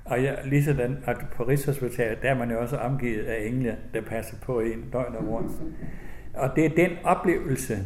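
An older man from West Jutland, an author, sharing childhood memories in a gentle, halting way and then reading slowly from his own book. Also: mid-range voice, reverberant, a little hiss or hum. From West Jutland, Denmark. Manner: gentle, reflective, halting, with restarts; slow, measured reading voice.

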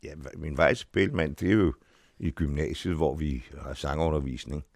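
An older man, an actor, telling stories from his life in an interview, in a deep voice and an unhurried storytelling way with small restarts. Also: creaky, no echo, studio quality. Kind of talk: reminiscing in an interview.

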